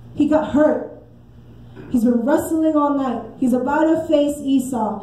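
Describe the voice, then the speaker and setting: The room echo is audible as a woman speaks at a moderate pace. Her pitch is high, with ordinary variation. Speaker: preacher. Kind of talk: sermon. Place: church.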